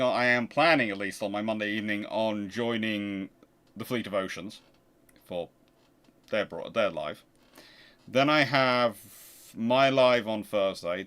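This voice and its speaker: A man with a fairly low voice hosts a casual livestream. He speaks haltingly, doubling back on words and restarting phrases as he takes questions from viewers. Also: pushed and bright. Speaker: livestream host.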